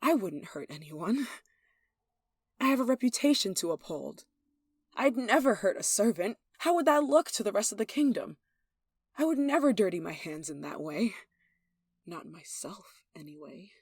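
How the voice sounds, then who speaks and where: A woman's voice: medium pitch, big pitch swings, moderate pace, long pauses, slightly rough, no room sound. A woman playing a possessive, haughty young noble in a yandere ASMR roleplay, speaking in an imperious, jealous way with sighs. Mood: possessive, menacing. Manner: imperious, indignant, sighing, clipped commands.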